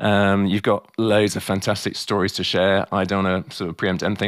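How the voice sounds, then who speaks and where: Here is a man with a British accent and a fairly low voice. The recording is very clean and the background silent. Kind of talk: casual interview chat. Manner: animated.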